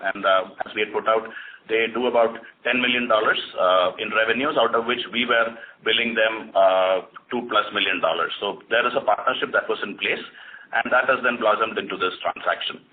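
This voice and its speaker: A man answering analyst questions as a finance executive on an earnings call, methodically going point by point in a measured way. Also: on the low side. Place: telephone conference call. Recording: noisy narrowband phone conference line.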